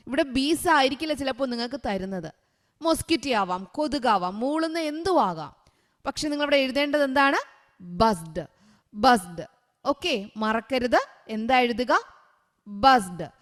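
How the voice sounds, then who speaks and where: A woman's voice: a little high, a bit bright, big-room sound. Malayali woman tutor quizzing children. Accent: Kerala Malayali. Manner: asks questions and answers them herself, repeats key words; spells English words letter by letter. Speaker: online tutor. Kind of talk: children's exam revision lesson.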